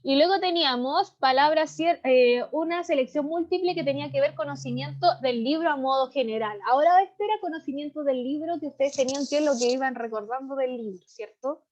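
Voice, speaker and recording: A woman's voice: high voice, brisk, hardly any pauses, a little mellow. A woman teaching a literature class online, explaining vocabulary and often checking in with tag questions. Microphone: computer mic on a video call. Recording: slightly dull video-call audio.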